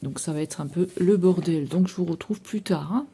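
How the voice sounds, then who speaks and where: In a kitchen home vlog, this thirty-something woman chats loosely, wandering between topics and leaning on slang and fillers. She speaks at a moderate pace in a lowish, dark, slightly rough voice.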